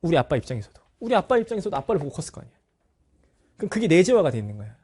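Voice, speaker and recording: Husky, lively-pitched male teacher. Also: racing. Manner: candid, personal storytelling, addresses students directly. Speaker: Korean language teacher. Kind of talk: talk to students.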